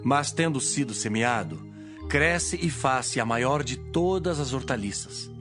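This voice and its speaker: A man's voice: mid-range voice, animated, unhurried, close to an everyday voice. Male actor as authoritative holy teacher, solemn, widely varied intonation, audio Bible drama, prominent music. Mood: solemn teaching.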